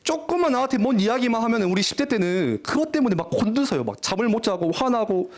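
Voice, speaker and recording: A young man preaching a lively, jokey youth sermon in a church, often acting out teenagers' voices. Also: very high voice, quick pace. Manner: animated, jokey, acts out teen voices. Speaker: youth pastor. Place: church worship hall.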